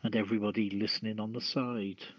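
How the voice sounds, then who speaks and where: A man hosting a news podcast with a halting, hesitant delivery, reading out items and announcements. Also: on the low side, level tone. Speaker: podcast host. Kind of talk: reading news and show sign-off. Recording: phone-like lo-fi streamed voice channel.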